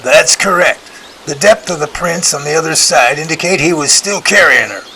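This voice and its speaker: A man's voice: a little high, normal speed, pushed and bright, a little hiss or hum. An actor playing an earnest, assured male professor and field researcher, speaking emphatically in audio drama dialogue. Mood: earnest, emphatic.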